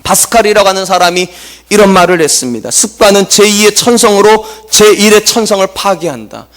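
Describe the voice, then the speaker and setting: A middle-aged pastor delivers his Sunday sermon in a church sanctuary, his voice high-pitched and brisk. He is lively and funny, acting out quotes from the people he talks about.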